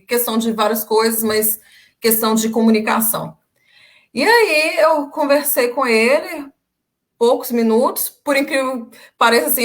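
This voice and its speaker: A young Brazilian woman with a Brazilian Portuguese accent, chatting as an interviewee on a video call, telling her story with lively ups and downs and lots of filler pauses. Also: a little high. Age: young adult. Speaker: interviewee, former language student. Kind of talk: casual interview chat.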